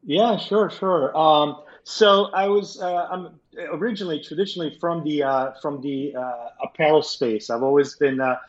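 A middle-aged man from Italy answering interview questions conversationally, haltingly, repeating words and often checking in with "right?". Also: on the high side, dull audio. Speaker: interview guest, art collector and entrepreneur.

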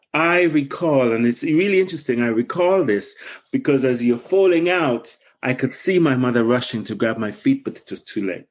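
A man from Guyana, a podcast guest, reflectively telling his life story with some halting restarts. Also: medium pitch.

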